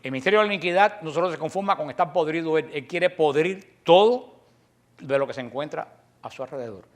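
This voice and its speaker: A man's voice: a little high, fairly quick. A man with a Cuban accent preaching a combative sermon, full of rhetorical questions to his listeners. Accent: Cuban Spanish. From Cuba.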